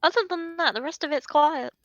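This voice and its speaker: Bright-voiced woman game master. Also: sits high, brisk, no echo, dull audio. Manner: hesitant, many fillers. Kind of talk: narrating a tabletop game.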